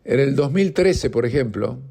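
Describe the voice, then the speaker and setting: Gravelly Argentine man hosting news commentary. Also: medium pitch, expressive, normal speed, dark tone. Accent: Argentine Spanish. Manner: emphatic, indignant, with frequent restarts. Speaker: political commentary host.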